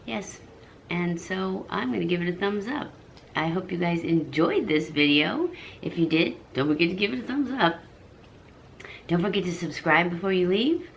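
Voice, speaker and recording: A woman's voice: on the low side, lively intonation, normal speed, vocal fry, slight background noise. A woman in her fifties giving a casual, chatty makeup review to camera. She rambles a little and corrects herself as she goes. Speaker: beauty vlogger.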